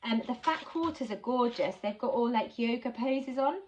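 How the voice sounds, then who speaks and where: A woman's voice: a little high, lively intonation, normal speed, a little mellow. A woman, chatting casually and enthusiastically as she unboxes sewing supplies for her channel, with a slight cold and lots of ums. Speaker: sewing vlogger.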